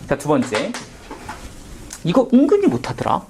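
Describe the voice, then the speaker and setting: A man's voice: a little high, wildly swooping pitch, normal speed, noisy background. A man teaching a math lesson in a casual, questioning way, often asking and answering himself. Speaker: math tutor. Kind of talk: whiteboard math lecture.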